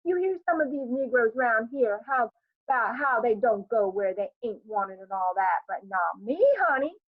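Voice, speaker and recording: A woman doing a squeaky, gushing gossip neighbor. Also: normal speed, no room sound, lightly acted. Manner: effusive, melodramatic, folksy dialect. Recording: dry, tinny phone-like sound.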